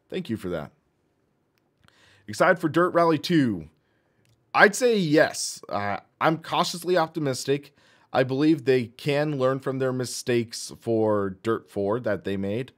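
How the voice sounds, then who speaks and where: A man with a hoarse voice casually narrating a sim racing live stream, thinking aloud as he goes. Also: medium pitch, very animated, slow pace. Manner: chatty, thinks aloud while clicking menus.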